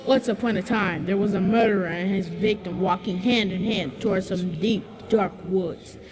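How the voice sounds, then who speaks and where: A man's voice: high-pitched, fairly even intonation, moderate pace, over music, lightly acted. A man playing an eerie little boy in a video game, storytelling in a creepy sing-song manner. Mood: sinister, playful. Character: eerie little boy telling a sinister joke. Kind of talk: video game character acting.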